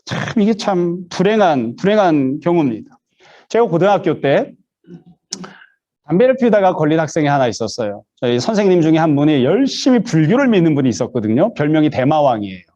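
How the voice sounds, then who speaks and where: A man's voice: a little high, sing-song, a little fast, dark tone, lo-fi sound. A man preaching a sermon as pastor, telling stories and acting out the voices of the people in them. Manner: storytelling, acting out quoted voices.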